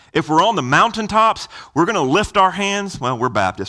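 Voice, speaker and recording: In a Southern US accent, a man talks at a moderate pace with a bright, sharp tone on a very clean recording with a silent background. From Florida, Polk County. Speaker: guest preacher. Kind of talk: sermon.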